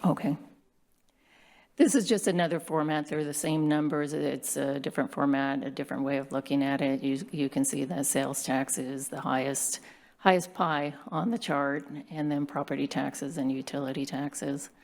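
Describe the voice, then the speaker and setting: A woman with a hoarse, very low voice presents revenue and spending figures to a city council. She talks plainly and explains each item, with frequent fillers. She is recorded in a council chamber. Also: steady tone, normal speed, darkish tone. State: hoarse from bronchitis. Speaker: city finance staff presenting budget. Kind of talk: budget presentation at council meeting.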